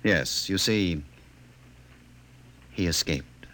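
An actor playing a smooth, condescending government official courting his fiancée in a 1950s radio drama. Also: sits low, expressive, very slow, sharp tone, a little hiss or hum, full character voice. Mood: evasive, placating. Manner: suave, condescending, evasive.

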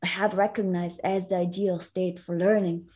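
Woman with a German first language, mellow voice. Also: on the low side, flat delivery, normal speed. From Italy. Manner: earnest, explanatory, with frequent restarts. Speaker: guest educator. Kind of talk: conversational interview.

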